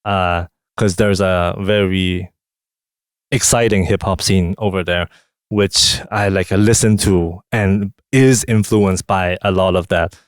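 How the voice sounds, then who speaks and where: A young man from Hong Kong, a musician chatting in a studio interview, talking in a relaxed, halting way with many fillers. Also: sits low, clean tone, no room sound. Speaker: musician guest. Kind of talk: casual interview chat.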